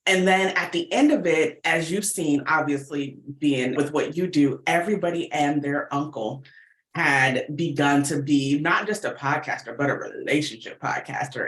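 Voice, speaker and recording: An American woman giving talkative, informal interview answers in an animated storytelling way. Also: deep voice. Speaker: guest, podcast producer and relationship coach. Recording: roomy, echoey sound.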